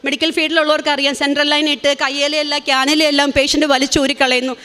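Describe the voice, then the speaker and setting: A woman's voice: high-pitched, flat delivery, fast talker, sharp tone. A woman in her forties with a Kerala Malayalam accent, giving an earnest, emotional religious testimony. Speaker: testimony speaker.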